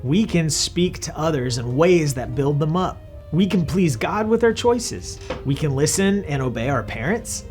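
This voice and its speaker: A man's voice: a little high, expressive, unhurried, darkish tone, soft background music. A young man hosting a children's Bible lesson, explaining patiently and in a friendly way. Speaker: children's ministry host.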